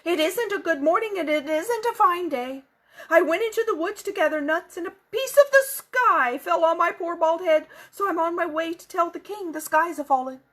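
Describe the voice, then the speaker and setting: A flustered little hen squawks and frets in a shrill, high voice, as a woman reading a storybook puts her on. Her talk bursts out loud and alarmed. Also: lively intonation, normal speed. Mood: distressed. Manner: fussy, squawking, breathless alarm. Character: flustered frightened hen, female.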